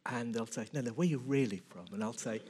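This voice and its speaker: Male panelist, dry storyteller, ordinary pitch. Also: quick pace, a little mellow, slightly rough. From England. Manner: wry, storytelling, acts out dialogue. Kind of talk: live panel discussion.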